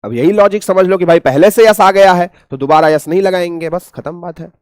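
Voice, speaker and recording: A man with an Indian accent runs an exam-prep English lesson with a fairly high voice. He keeps asking rhetorical questions and repeating the answers. The sound is close and dry, with no room echo. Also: a little fast. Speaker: English teacher.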